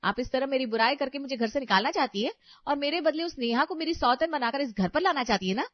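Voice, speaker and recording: A woman's voice: high voice, expressive, quick pace, no echo. A woman voicing a spoiled, haughty young bride in a cartoon story who is rude and sarcastic to her mother-in-law. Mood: indignant. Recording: dry, slightly dull audio.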